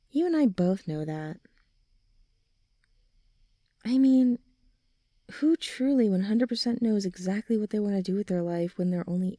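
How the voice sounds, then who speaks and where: A supportive teenage girl played by a woman speaks in a mellow, relaxed voice, recorded close and dry. She is gentle and reassuring, chatting informally like a caring best friend in an ASMR audio drama. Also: medium pitch, dry recording, lightly acted. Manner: gentle, reassuring, informal, often sighing or softly laughing.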